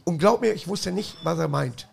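Gravelly high-voiced man, rambling chat. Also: moderate pace. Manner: rambling, laughs loudly at his own jokes. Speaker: podcast host. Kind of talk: casual chat.

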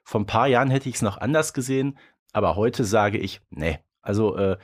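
A man's voice: on the low side, normal speed. A man co-hosting a podcast, chatting off the cuff in a colloquial, pragmatic way with hesitant phrasing. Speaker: podcast co-host. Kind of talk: casual unscripted review chat.

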